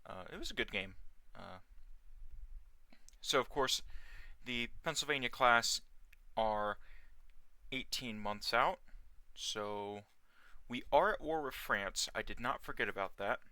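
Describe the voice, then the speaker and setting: Slightly hoarse, bright-voiced man narrating gameplay. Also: mid-range voice, animated, slow pace, pauses often, dry recording. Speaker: host of a video game series. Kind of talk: casual let's play commentary. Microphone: close dry mic, gameplay voice-over.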